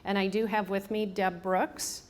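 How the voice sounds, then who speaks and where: A woman's voice: mid-range voice, little pitch movement, measured pace. A woman in her fifties with a strong Michigan accent, giving a casual public talk to an audience with many ums and restarts. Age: 50s. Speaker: hospice staff speaker. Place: room with a live audience.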